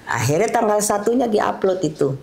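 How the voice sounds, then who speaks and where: A woman's voice: medium pitch, normal speed, vocal fry, crowd noise. A middle-aged woman, a mother recounting family memories in an interview and acting out the voices of her relatives. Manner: lively storyteller, acts out family dialogue. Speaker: grieving mother, guest. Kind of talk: tearful storytelling interview. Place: studio.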